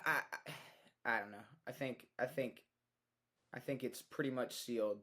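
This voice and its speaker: A man's voice: medium pitch, normal speed. Man co-hosting a casual sports podcast. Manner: hesitant, restarts and repeats, gets excited. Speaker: podcast co-host.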